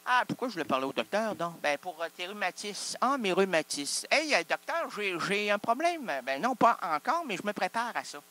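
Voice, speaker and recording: A man's voice: sits high, very animated, brisk, hardly any pauses, sharp tone. A man, hosting an improvised solo comedy show full of absurd, self-interrupting wordplay. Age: 30s. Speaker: host.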